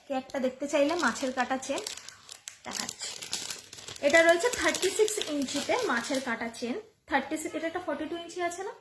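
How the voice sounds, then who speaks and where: A woman's voice: high-pitched, fast talker, a bit bright, a little hiss or hum. A woman with a Bengali accent selling jewellery on a live phone stream from home, chatty and repeating each price to viewers. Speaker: online jewellery seller. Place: home room. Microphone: phone camera. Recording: echoey room.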